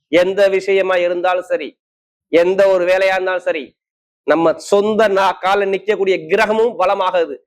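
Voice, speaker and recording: A man presenting horoscope forecasts as an astrologer, talking emphatically in short, repeated, list-like bursts. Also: high-pitched. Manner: emphatic, repetitive, listing points in short bursts. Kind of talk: monthly horoscope talk to camera.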